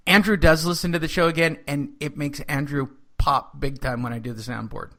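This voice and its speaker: A man's voice: on the high side, fairly even intonation, brisk, pushed and bright. A man hosting a boxing news podcast, reading headlines and making sarcastic asides in casual chat. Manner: sarcastic, reads news items with running jokes. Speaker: podcast host.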